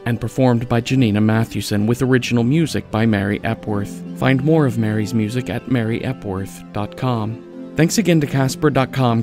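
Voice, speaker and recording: A man's voice: fairly low pitch, gravelly. A man reading scripted podcast credits and sponsor messages as an announcer. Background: guitar music.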